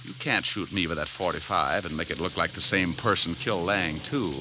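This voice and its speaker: An actor playing a dry, sardonic private detective who also narrates, in a 1940s radio drama. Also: male voice, sits low, a little fast, noisy background, lightly acted. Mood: wry. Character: wisecracking tough male private eye. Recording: old radio broadcast with music underneath.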